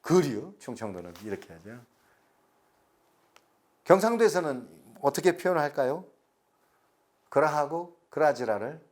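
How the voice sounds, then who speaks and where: A middle-aged man, giving a recorded lecture slowly and deliberately, stretching words and pausing. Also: fairly high pitch, big pitch swings, darkish tone. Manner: slow, deliberate explanation with drawn-out words and pauses.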